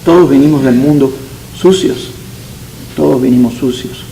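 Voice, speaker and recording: A man's voice: medium pitch, moderate pace, gravelly, mellow, slight background noise, poor audio. A man born in Cuba, a pastor teaching a Sunday school Bible class, earnest and repeating key phrases for emphasis.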